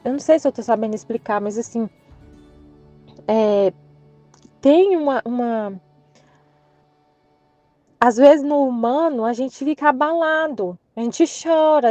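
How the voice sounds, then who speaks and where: A woman's voice: high-pitched, no echo. A woman with a Brazilian Portuguese accent sharing a personal spiritual reflection, earnest and rambling, often restarting and hesitating. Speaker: Catholic channel presenter. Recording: dull lo-fi sound with soft background music.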